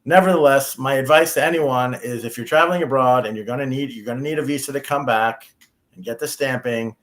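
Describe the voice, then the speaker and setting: An American immigration attorney offers practical advice on a talk show, speaking briskly at a medium pitch. He often restarts his sentences, repeating himself as he begins them.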